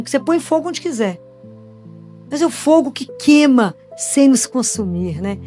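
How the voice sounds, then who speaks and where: High-voiced Brazilian woman preaching. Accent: Brazilian Portuguese. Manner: conversational, with rhetorical questions. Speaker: Catholic speaker and pediatrician. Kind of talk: preaching sermon. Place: church gathering after communion.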